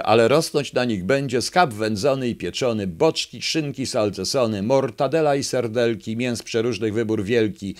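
A man reading aloud as a sly, smooth-talking male fox giving a grand campaign speech to the animals in a children's verse tale. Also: medium pitch, natural voice.

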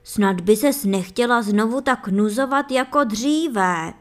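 A woman's voice: on the high side, lightly acted. A woman reading aloud voices a poor laborer husband who scolds his curious wife in a storybook tale. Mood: scolding. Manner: reproachful and scolding.

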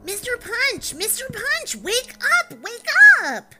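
A woman's voice: extremely high pitch, big pitch swings, slow, over music, heavily acted. A woman playing an eager, wheedling little child in an audio drama, coaxing and exclaiming with wonder. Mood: urgent coaxing.

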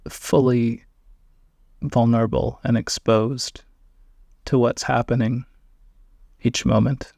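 Very slow, gravelly man guiding meditation. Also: medium pitch, little pitch movement, no room sound, clean studio sound. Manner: gentle invitations with long pauses. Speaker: meditation guide. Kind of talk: guided meditation.

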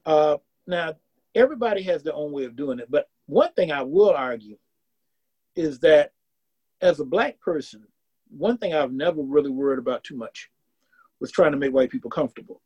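A man's voice: a little high, lively intonation, normal speed, a little mellow, breathy edge, low-quality recording. A man around sixty, from the American South, speaking earnestly as an academic guest in a casual interview and restarting phrases as he thinks aloud. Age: about 60.

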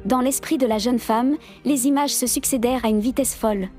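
A woman's voice: on the high side, brisk, soft background music. Woman narrating a story. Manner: steady storytelling. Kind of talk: scripted narration.

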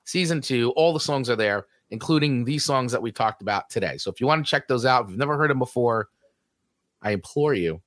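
A man's voice: mid-range voice, lively intonation, brisk, fairly bright tone, no echo, clean studio sound. A man with a New Jersey accent co-hosting a podcast, chatting casually and rambling through show plugs. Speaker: podcast co-host. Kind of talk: casual chat.

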